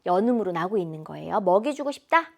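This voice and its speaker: A woman English teacher explaining exam answers in a lecture, animated and mixing in English examples. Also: mid-range voice, fast, creaky. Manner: animated, switches between Korean and English examples.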